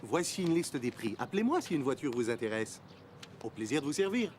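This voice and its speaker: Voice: mid-range voice, big pitch swings, a little fast, a little mellow, slight background noise, natural voice. An actor voicing a polite, salesy male car salesman in a cartoon dub. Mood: courteous. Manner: salesy, courteous.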